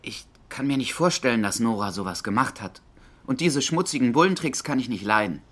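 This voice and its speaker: Defensive idealist activist in a crime radio play, sharp tense voice, evasive, gets indignant. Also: male voice, medium pitch, expressive, brisk. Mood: hesitant, conflicted. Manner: evasive, indignant, hesitant when pressed. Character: defensive, idealistic male environmental activist under questioning. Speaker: actor in a crime radio drama. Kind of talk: German crime radio drama dialogue.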